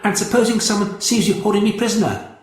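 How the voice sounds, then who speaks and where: A man's voice: sits high, fast, a little mellow, echoey room, voice pushed up, close to an everyday voice, low-quality recording. A male narrator voicing a frightened young woman, hesitant and nervous. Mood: fearful.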